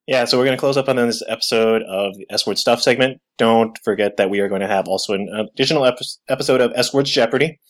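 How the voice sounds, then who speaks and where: A man's voice: mid-range voice, quick pace, hardly any pauses. A man hosting a podcast, chatting casually in an upbeat way, laughing easily and wrapping up the segment. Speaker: podcast host. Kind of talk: casual chat.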